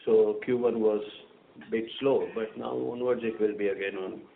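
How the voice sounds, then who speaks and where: Halting Indian man on an echoey phone line. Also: lowish voice, steady tone, vocal fry. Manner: halting, hesitant delivery. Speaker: company executive answering questions. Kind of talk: unscripted question-and-answer.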